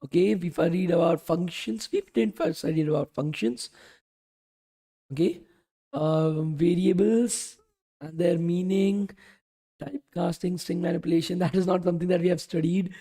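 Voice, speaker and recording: A man's voice: high-pitched, moderate pace, dark tone. A young man teaching a live coding class, his voice worn from talking all day. He talks casually, keeps saying "okay" and "guys", and answers questions from the chat. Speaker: coding bootcamp instructor. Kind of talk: live-streamed coding lesson.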